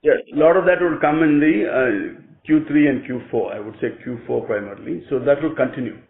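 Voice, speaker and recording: An Indian man speaking as a company executive, answering questions on an earnings call in a halting, conversational, hedging way. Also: mid-range voice. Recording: echoey, narrow telephone conference line.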